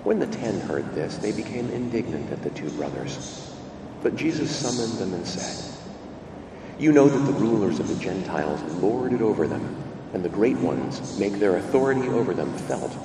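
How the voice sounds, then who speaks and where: Priest preaching in cathedral echo. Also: male voice, on the low side, moderate pace. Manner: lively preaching, leaning hard on key words. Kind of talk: gospel reading and homily at Mass. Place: large church. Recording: long church reverb, distant mic, room noise.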